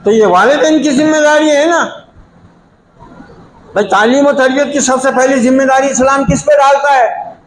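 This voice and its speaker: A man's voice: extremely high pitch, normal speed, pauses often, slight background noise. A male Islamic preacher giving a sermon in a scolding, emphatic way, pushing his voice up on key points. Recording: echoey room.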